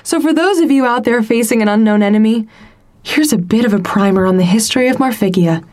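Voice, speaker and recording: A woman's voice: fairly high pitch, quick pace, a little mellow, natural voice. A woman voicing a brassy female sex-advice radio host on a space station, speaking in polished, sassy on-air patter in a comedy audio drama.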